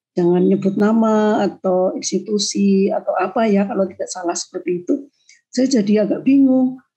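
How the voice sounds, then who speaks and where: A woman's dark, mellow, somewhat breathy voice at a moderate pace, with very wide pitch swings. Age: 60s. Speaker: writer, workshop participant. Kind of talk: audience question.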